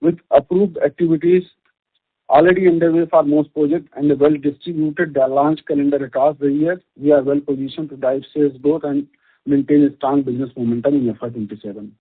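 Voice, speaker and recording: A man with an Indian accent reads a scripted corporate earnings presentation as a company executive, formal and measured, over a conference call line. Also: a little high, fairly even intonation, breathy edge. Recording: muffled band-limited conference call audio.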